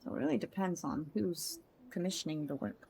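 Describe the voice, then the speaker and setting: A woman's voice: on the low side, animated, fairly quick, creaky, dark tone, a little hiss or hum. A woman live-streaming a game in a playful, chatty way, welcoming her viewers as she plays. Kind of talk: casual chat while playing. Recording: game music behind the voice. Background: game music.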